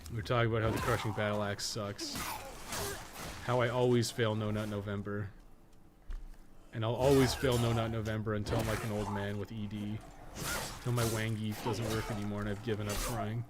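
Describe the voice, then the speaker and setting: A man's voice: lowish voice, level tone, a little fast. A man giving casual, rambling gameplay commentary with plenty of swearing and crude joking. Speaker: podcast co-host streaming a video game. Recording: clearly noisy background.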